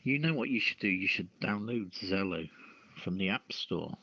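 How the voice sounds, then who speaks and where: A man co-hosting an online radio show in casual chat, talking in a halting, deliberate way over a phone-like app connection. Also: low-pitched, expressive, pushed and bright, dry recording. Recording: phone-like two-way app audio.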